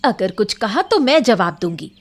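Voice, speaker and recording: A woman voicing a sharp-tongued, bossy village wife in a cartoon story, nagging and scolding. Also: mid-range voice, sing-song, normal speed. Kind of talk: cartoon voice acting.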